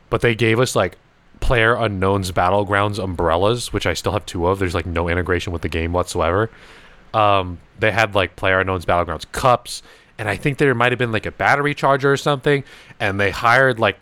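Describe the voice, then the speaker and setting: A man's voice: fairly low pitch, no room sound. A young man hosting a podcast, telling a rambling story with lots of swearing and laughter. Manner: swearing, laughing, animated anecdotes. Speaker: podcast host. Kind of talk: casual storytelling chat.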